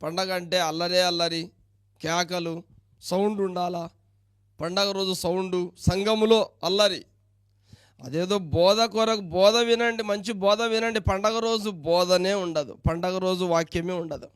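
Man, pastor, high voice, smooth and resonant, dry close recording, preaching with pointed questions. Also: steady tone, unhurried, no echo. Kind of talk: sermon.

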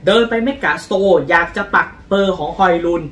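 A man hosting a casual football news vlog, chatty and lively in his storytelling. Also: high-pitched, moderate pace, reverberant, far from the mic, slight background noise. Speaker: football channel host.

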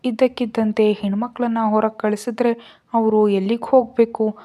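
A woman reading the part of a gentle, frightened teenage girl who pleads softly and sadly. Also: on the high side, level tone, moderate pace, close to an everyday voice. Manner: pleading, trembling, soft.

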